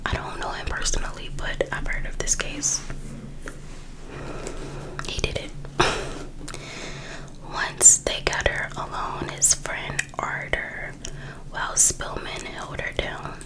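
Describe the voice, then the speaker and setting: American female ASMR host, fully whispered, unhurried true crime book reading with informal asides. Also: very high voice, rough recording. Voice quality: breathy, unvoiced whisper.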